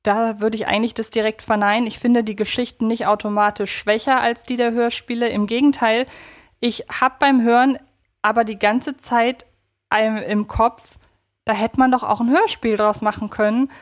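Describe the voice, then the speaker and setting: Chatty woman with a higher-pitched voice. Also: fairly even intonation, normal speed. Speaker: podcast co-host. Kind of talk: casual fan podcast chat.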